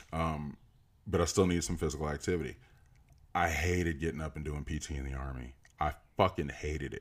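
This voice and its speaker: Over a silent background in a very clean recording, a man speaks at a fairly quick pace in a relaxed tone, with vocal fry and ordinary pitch variation. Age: 40s. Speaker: podcast host and resin artist. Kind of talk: casual solo monologue. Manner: relaxed, frequent laughs and fillers.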